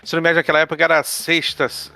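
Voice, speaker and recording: A man in his forties from Rio de Janeiro with a Carioca accent, a guest chatting in a relaxed, joking way about his long history with tabletop games. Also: fairly high pitch, rapid-fire, gravelly, no room sound, faint music behind. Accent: Carioca Brazilian Portuguese. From Rio de Janeiro, Brazil. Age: 40s. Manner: laid-back, jokey, self-deprecating. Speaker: guest, RPG game master and writer. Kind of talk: casual interview chat.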